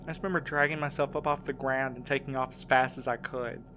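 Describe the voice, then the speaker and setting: Casting: male actor for shaken, earnest man in an audio drama, mid-range voice, halting and defensive delivery, music underneath. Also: mid-range voice, fairly even intonation, background noise, close to an everyday voice. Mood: shaken, urgent. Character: shaken, insistent man recounting a frightening ordeal. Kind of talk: audio drama acting, first-person recounting.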